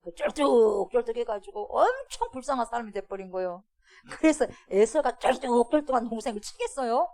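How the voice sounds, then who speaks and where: Middle-aged woman pastor, higher voice, animated sermon with questions to the congregation. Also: fairly quick, few pauses. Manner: animated preaching, asks the congregation questions, swings from loud to hushed. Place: church sanctuary.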